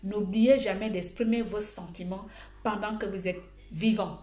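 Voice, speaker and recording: A woman vlogger giving blunt, humorous advice in a casual monologue, telling stories with animated energy. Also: medium pitch, moderate pace. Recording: echoey room.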